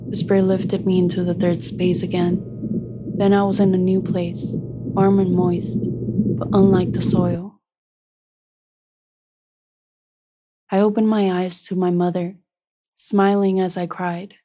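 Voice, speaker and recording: A woman voicing an earnest young maize plant reborn as a human, narrating a first-person story in a deliberate, emotive way. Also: fairly low pitch, level tone, close to an everyday voice. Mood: reflective. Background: music.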